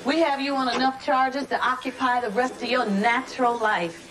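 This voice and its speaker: A woman's voice: high-pitched, fairly even intonation, normal speed, close to an everyday voice, rough recording. A woman playing a stern, no-nonsense police captain with a formal manner in a TV crime drama.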